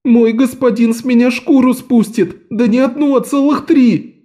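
A man's voice: very high-pitched, normal speed, dark tone, voice pushed up. A man voicing a young thief who pretends to be a sobbing errand boy, pleading and whimpering.

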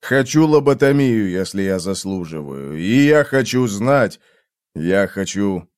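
A man reading an audiobook, voicing a tormented, guilt-ridden man in a low, strained, bitterly ironic voice. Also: sing-song, unhurried, darkish tone, clear, resonant tone, no room sound, studio quality. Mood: anguished.

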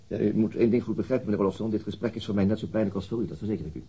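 An actor playing an awkward but persistent, courteous police inspector in a radio drama, with formal, halting questioning. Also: male voice, lowish voice, vocal fry, mellow, husky, full character voice. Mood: awkward, apologetic.

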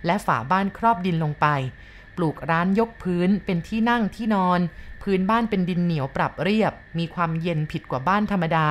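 A woman narrating a ghost story in a slow, measured way. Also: on the low side, a little hiss or hum.

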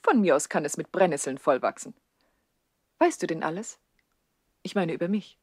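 An actress playing a haughty, coquettish young widowed princess in a 1960s German radio play, imperious and teasing in a theatrical way. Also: female voice, sits low, big pitch swings, moderate pace, breathy edge, no room sound, studio quality, heavily acted. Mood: haughty, flippant.

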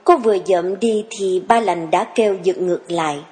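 A woman narrating a dramatic story reading, measured and smooth. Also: mid-range voice, a little mellow. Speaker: story reader.

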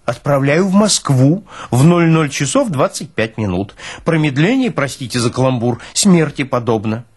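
An actor playing a fussy, self-pitying army medical officer who pleads and laments theatrically in an audio drama. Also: male voice, mid-range voice, expressive, moderate pace, few pauses, a little mellow, husky. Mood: pleading urgency.

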